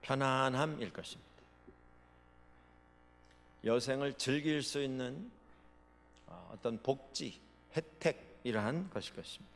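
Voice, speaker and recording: A man's voice: medium pitch, lively intonation, a little slow, gravelly, long pauses, a little hiss or hum. Man preaching in a reverberant church. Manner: dramatic preaching, swinging between loud proclamations and quiet asides. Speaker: pastor. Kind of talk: sermon. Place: church sanctuary. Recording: long reverb of a large hall.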